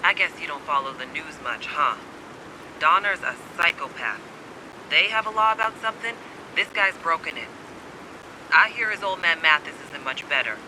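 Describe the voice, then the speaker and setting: A man's voice: a little high, expressive, moderate pace, background noise, lightly acted. A man playing a wary, secretive survivor in a video game, terse, guarded and cynical, with blunt urgency. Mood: agitated. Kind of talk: dramatic video game acting.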